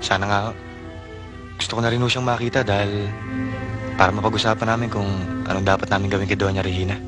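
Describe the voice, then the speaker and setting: A man's voice: fairly low pitch, flat delivery, quick pace, close to an everyday voice. An actor playing a tough, world-weary younger man in a 1980s Filipino action film, with a Filipino accent. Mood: respectful. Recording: old film soundtrack with loud music.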